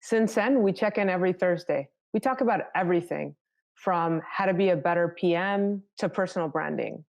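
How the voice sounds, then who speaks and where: A woman from South Texas whose first language is Spanish gives a rehearsed talk. Her delivery is steady and prepared, and her voice sits on the lower side. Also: moderate pace, gravelly. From South Texas, United States. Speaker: conference speaker.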